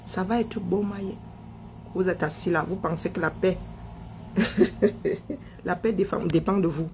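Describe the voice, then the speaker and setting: A man's voice: high voice, measured pace, a little mellow, slight background noise. A man from Cameroon, giving an impassioned political monologue full of emphatic repetition and rhetorical questions. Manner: emphatic, rhetorical questions, repeats phrases for effect. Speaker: online political commentator.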